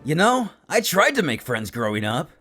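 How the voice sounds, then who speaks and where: A man's voice: a little high, huge pitch swings, moderate pace, bright, forceful tone, roomy sound, soft background music, heavily acted. A man voicing an earnest, eager young male anime hero who wears his hurt openly. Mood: wistful.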